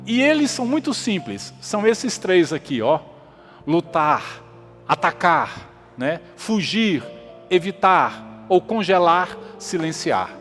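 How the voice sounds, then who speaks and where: A man's voice: sits high, very animated, slow, a bit bright, big-room sound, faint music behind. A man preaching a sermon as pastor, emphatic, repeating his points and asking the congregation questions. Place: church.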